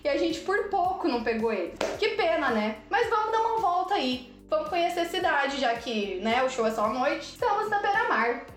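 A woman telling a story in casual chat, animated, breaking into excited squeals as she relives moments. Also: high-pitched, fairly quick, few pauses, roomy sound, over music.

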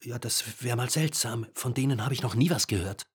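An actor playing a skeptical, easily irritated hiker in an audio drama, speaking in a dry, blunt manner. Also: male voice, mid-range voice, brisk, slightly rough, no echo. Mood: puzzled. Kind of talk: scripted audio drama dialogue.

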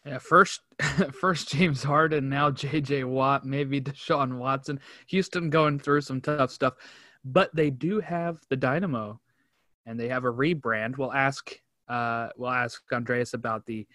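Male podcast co-host, bright forward voice, dry close sound, upbeat chatty delivery. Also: mid-range voice, measured pace, no echo. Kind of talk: casual sports podcast chat.

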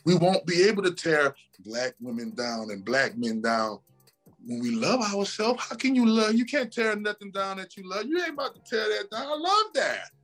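A man's voice: high voice, sing-song, moderate pace, a bit bright, faint music behind. A man talking as a podcast guest, preachy and emphatic, often repeating himself and asking "right?". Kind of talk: casual motivational talk.

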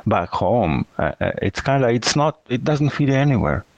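A man talking casually in a halting, hesitant way, with dry deadpan remarks. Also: mid-range voice, highs cut off, slight background noise. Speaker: conversation partner. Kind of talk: casual chat.

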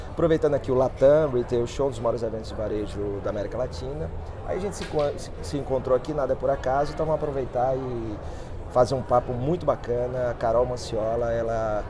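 A man hosting a podcast interview, talking in a chatty, informal way with restarts. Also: mid-range voice. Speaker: podcast host. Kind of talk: casual interview. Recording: crowd noise behind.

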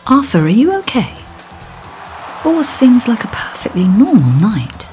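A woman's voice: fairly high pitch, big pitch swings, measured pace, mellow, faint music behind. A woman playing a frank, sceptical queen in a comic pantomime. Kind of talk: pantomime audio comedy.

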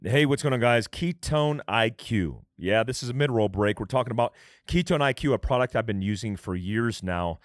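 A man's voice: medium pitch, expressive, moderate pace, dry recording, studio quality. A man hosting a podcast, doing a mid-roll sponsor read in a casual, personal way. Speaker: host reading a sponsor break.

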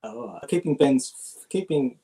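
Makeup artist dude, husky and mellow, kinda halting, lots of um. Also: male voice, fairly high pitch, animated, rough recording. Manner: halting, searching for words. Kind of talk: panel answers.

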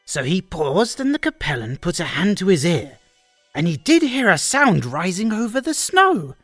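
A woman host narrating a rhyming holiday fan story in an expressive, sing-song, dramatic reading. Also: lowish voice, moderate pace, no echo, soft background music.

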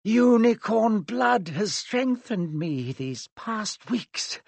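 A high, slow, hissing dark lord. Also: male voice, no room sound, heavily acted. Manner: slow, high, breathy and menacing. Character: hissing dark lord, a face on a man's head, cold and menacing.

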